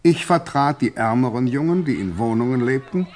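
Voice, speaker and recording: An actor playing a gentleman author who looks back on his combative life, reflective and composed, in a radio play. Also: medium pitch, lively intonation, moderate pace, lightly acted. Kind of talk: autobiographical narration in a radio play.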